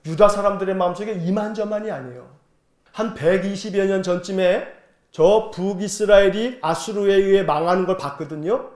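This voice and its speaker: High-voiced male pastor preaching. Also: a little mellow. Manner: explanatory storytelling, rhetorical questions to the congregation. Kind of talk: sermon. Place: church sanctuary. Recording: roomy church sanctuary echo.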